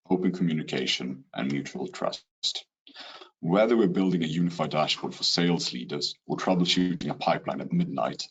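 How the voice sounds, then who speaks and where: A man's voice: a bass voice, slightly rough. A man with a Swedish accent from Sweden gives a rehearsed business webinar presentation over a call, dropping in the odd "you know". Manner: steady, rehearsed delivery with occasional "you know" fillers. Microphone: computer mic on a video call.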